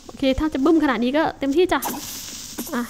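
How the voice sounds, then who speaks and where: A woman hosting a survival game let's-play, talking to herself in a chatty, casual way with sudden startled shouts. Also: sits high, brisk, a little hiss or hum. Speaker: Minecraft let's-play host.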